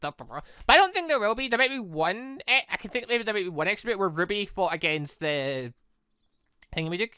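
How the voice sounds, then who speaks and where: Animated, bright-voiced man. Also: sits high, fairly quick, clean tone, dry recording, clean studio sound. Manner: chatty, excitable, rambling. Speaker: gaming video host. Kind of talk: playthrough commentary of a visual novel.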